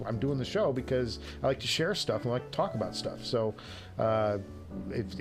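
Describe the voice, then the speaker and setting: A man hosting a casual livestream, chatting with viewers in a self-deprecating, joking way. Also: mid-range voice. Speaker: livestream show host. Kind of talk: casual chat answering viewers' live comments.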